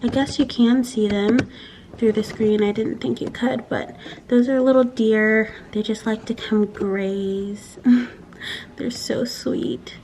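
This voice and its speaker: A woman's voice: fairly high pitch, steady tone, slow pace, darkish tone, rough recording. A woman vlogging in a casual, chatty, informal way, peppering her talk with "like". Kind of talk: casual chat to camera. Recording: clear background noise.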